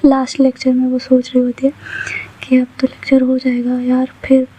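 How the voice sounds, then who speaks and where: A woman telling a story in a conversational, plain, unhurried way. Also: sits high, monotone, warm tone, breathy edge. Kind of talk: casual storytelling narration. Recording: dull lo-fi recording.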